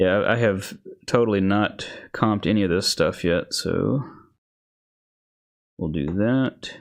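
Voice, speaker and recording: Mumbling at a fairly slow pace with long, frequent pauses, a man speaks at a fairly low pitch with ordinary pitch variation on a very clean recording with a silent background. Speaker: music production streamer. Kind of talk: casual livestream tutorial. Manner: mumbling to himself.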